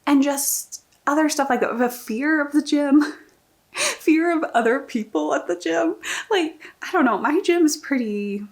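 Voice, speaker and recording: A woman's voice: sits high, a little slow. A young woman vlogging casually, chatty and self-deprecating, often laughing at herself. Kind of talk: casual vlog talk.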